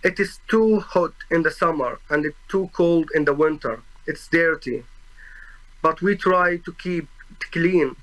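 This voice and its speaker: A young man from Gaza with an Arabic accent testifies before a tribunal in a slightly high, bright, forward voice. He speaks very slowly and solemnly, pausing to search for words and restarting his phrases. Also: poor audio. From Gaza, Palestine. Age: 20s. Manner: halting, searching for words, with frequent restarts and fillers; solemn and earnest. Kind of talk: formal personal testimony.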